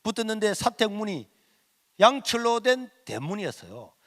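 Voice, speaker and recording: A middle-aged male pastor, telling a story in a sermon and acting out the dialogue, his voice swinging from loud to hushed. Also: high voice, big pitch swings, moderate pace. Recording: long hall reverb.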